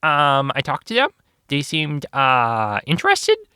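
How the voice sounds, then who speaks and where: A man's put-on character voice on a very clean recording with a silent background. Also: fairly high pitch for a man, moderate pace. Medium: read story. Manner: cheerful, simple.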